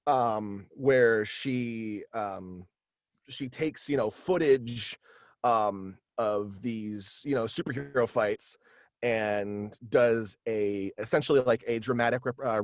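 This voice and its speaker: A man in his thirties casually explaining his creative work as an interview guest, in a halting, meandering way. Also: mid-range voice, no echo, clean studio sound. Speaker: guest, voice actor and writer. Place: small indoor home setup, video call.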